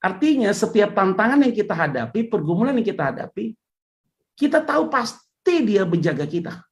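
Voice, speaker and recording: A woman's voice: mid-range voice, very animated, normal speed. A woman pastor, preaching a casual sermon in a chatty way, with joking asides.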